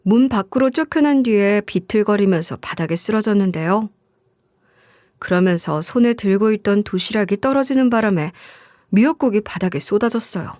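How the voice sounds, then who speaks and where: A woman narrating a first-person story as a radio storyteller, in a gentle, confiding way. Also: medium pitch, lively intonation, normal speed, no echo, clean studio sound.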